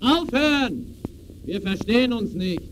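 A man's voice: very high voice, lively intonation, unhurried. An actor playing a rebellious man of the crowd, exclaiming stridently in expressionist radio-play style. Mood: defiant. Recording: noisy old radio recording.

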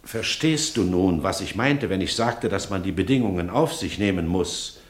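Radio drama father: solemn, weighty delivery, low register, roomy acoustic. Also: animated, moderate pace, slight background noise. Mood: grave, reflective. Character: solemn father lecturing his grown child, slow and weighty. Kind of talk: scripted radio drama dialogue.

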